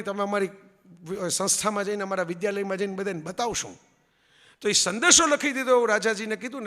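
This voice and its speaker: In an event hall, a man with a high-pitched, somewhat bright voice and a long reverb tail addresses an audience as a public speaker. He tells anecdotes, acts out quoted voices, and checks in with listeners by asking "barabar?"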